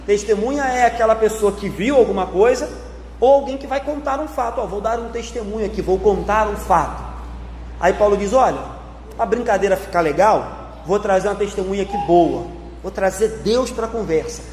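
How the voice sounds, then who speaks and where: Male pastor with a high voice, preaching with emphatic repetition in a reverberant church room. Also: a little mellow. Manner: emphatic preaching, slowing down on repeated phrases. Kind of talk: sermon. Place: church sanctuary. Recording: echoey church hall, faint background noise.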